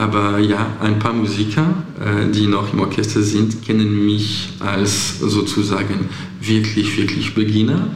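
In a French accent, a man speaks at a very slow pace with a fairly low pitch, fairly even intonation, and very even loudness, amid noticeable background noise and audible room echo. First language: French (speaking German). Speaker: orchestra conductor. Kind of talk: interview. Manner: halting.

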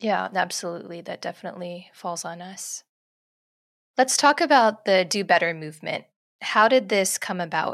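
Recorded very cleanly against a silent background, a woman with an ordinary speaking voice talks at a moderate pace in a medium pitch, her intonation lively and her loudness swinging widely. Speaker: podcast host. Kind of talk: interview.

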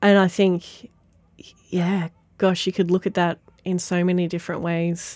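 A woman with an Australian accent speaks at a moderate pace and a fairly low pitch. Her intonation is monotone and flat, in a very clean recording with a silent background. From Sale, Gippsland, Victoria, Australia. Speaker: nurse. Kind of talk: interview testimony.

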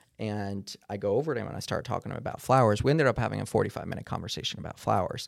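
Vocal fry runs through a man's fairly low voice with ordinary pitch variation, in a very clean recording with a silent background. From Israel. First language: Hebrew. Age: 20s. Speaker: real estate agent. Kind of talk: interview.

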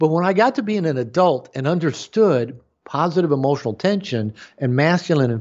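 Here a man speaks with a Pacific Northwest accent. His intonation is lively. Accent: American (Pacific Northwest). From US Pacific Northwest, Seattle suburbs. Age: 60s. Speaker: author and dating coach. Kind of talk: interview. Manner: halting, frequent repetitions.

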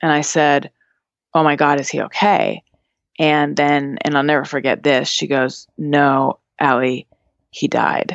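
Using very even loudness and long, frequent pauses, a woman talks in a very deep, low pitch with monotone, flat intonation. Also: fairly slow pace. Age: 40s. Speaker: podcaster and author. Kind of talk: casual interview conversation.

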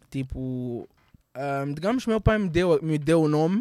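A man with a high pitch and a dark, mellow tone takes his words at a fairly slow pace. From Mozambique. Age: young. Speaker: videographer and photographer. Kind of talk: casual interview. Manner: code-switching between Portuguese and English.

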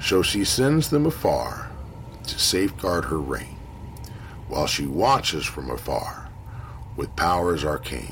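A man speaks with a very deep, low pitch and a dramatic tone, his intonation lively and his pace fairly slow. Long, frequent pauses break up his speech over noticeable background noise. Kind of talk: poet spoken word. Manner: dramatic, measured, ominous cadence with rhymed couplets.

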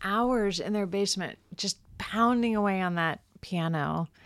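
An unremarkable speaking voice with an American accent, fairly slow and with ordinary pitch variation, in a very clean recording with a silent background. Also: woman. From US Midwest/South (Louisville, Kentucky and Chicago). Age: 50s. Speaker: singer-songwriter. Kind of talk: casual chat. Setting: studio.

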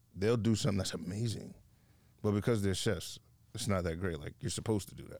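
A man with a New York accent, fairly low in pitch with ordinary variation, very fast, with big swings in loudness. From Long Island, New York. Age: 30s. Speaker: chef. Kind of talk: casual chat.

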